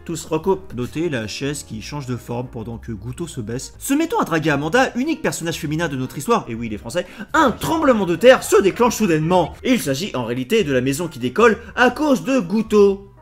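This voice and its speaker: High, animated man doing sarcastic commentary. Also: brisk, hardly any pauses. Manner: mocking, slangy, animated. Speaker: comic video narrator. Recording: music behind the voice.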